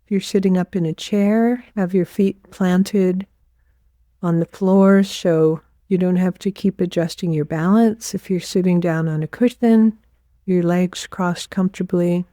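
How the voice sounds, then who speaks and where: A woman leading a guided meditation as a teacher, giving gentle, unhurried instructions with pauses. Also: lowish voice, fairly even intonation, dry recording, clean studio sound.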